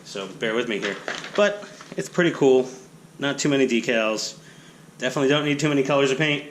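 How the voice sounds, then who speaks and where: A man's voice: medium pitch, expressive, fairly quick, slight background noise. A man with a nasal voice rambling casually and self-deprecatingly while unboxing a hobby kit on an action camera. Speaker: hobby channel host.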